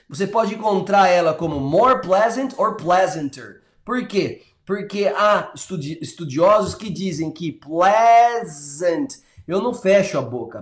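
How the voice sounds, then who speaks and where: In a reverberant recording, a high-voiced man with a Brazilian Portuguese accent leads a live online English class. He chats warmly, encourages his students, and uses plenty of little fillers.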